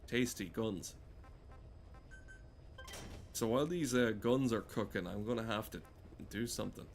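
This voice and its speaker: Deadpan rambling man with background noise. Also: on the low side, a little slow, vocal fry. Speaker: gameplay streamer. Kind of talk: rambling comedic game commentary.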